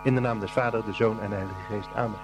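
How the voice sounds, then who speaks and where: An actor playing a kindly, pious Catholic brother and headmaster in a radio play, patient and preachy. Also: male voice, lowish voice, fairly even intonation, fast, background noise, close to an everyday voice. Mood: earnest admonishing.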